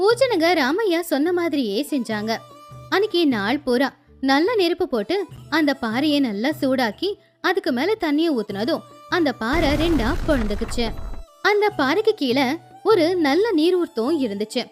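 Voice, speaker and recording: A woman narrating a children's moral story in a lively, sing-song storytelling manner. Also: sits high, normal speed. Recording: faint music behind.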